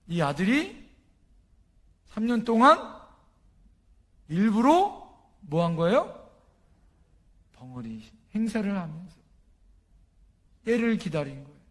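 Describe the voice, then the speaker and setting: A male pastor with a voice that sits high preaches a story-driven sermon. He often asks the congregation questions and swings between loud emphasis and hushed lines.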